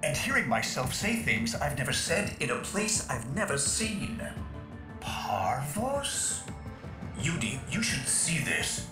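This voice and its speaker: A man's voice: a little high, wildly swooping pitch, slow, exaggerated voice. An actor playing an earnest, uneasy male mission operator in a video game briefing. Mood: uneasy, puzzled. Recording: echoey, music behind.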